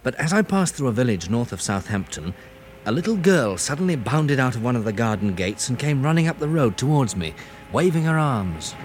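A man playing a weary, kindly English survivor in a 1960s radio drama, gentle and measured in manner. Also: mid-range voice, very animated, close to an everyday voice. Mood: weary, sombre. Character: weary, kindly male survivor narrating his journey. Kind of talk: 1960s British radio drama narration and dialogue. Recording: hissy old radio recording.

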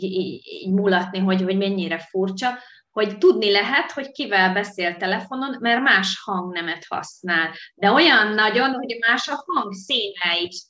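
A woman being interviewed, telling stories in a lively way with some filler sounds. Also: mid-range voice. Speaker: guest. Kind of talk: conversational interview. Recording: echoey room.

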